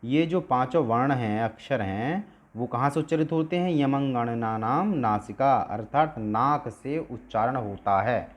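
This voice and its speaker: A man teaching a lesson at a board, speaking in a steady mid-range voice. He poses questions to his listeners and then answers them himself. He stretches out single sounds slowly to demonstrate how each one is pronounced. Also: medium pitch.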